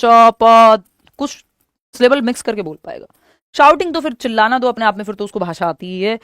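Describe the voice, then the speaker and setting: A woman teacher working through exam questions, explaining in Hindi mixed with English terms and reading questions out slowly. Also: fairly high pitch, dry recording, studio quality. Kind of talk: exam-prep lesson.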